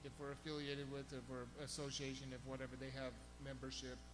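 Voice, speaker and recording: Male board chair with halting answers and a hum underneath. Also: medium pitch, flat delivery, long reverb tail. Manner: hesitant, halting explanations. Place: public meeting room. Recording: background hum.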